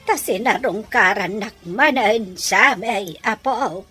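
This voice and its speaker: An actress playing a gentle, affectionate, supportive old grandmother in a radio drama, with a Filipino Ilocano accent. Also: medium pitch, faint music behind. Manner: affectionate, slow.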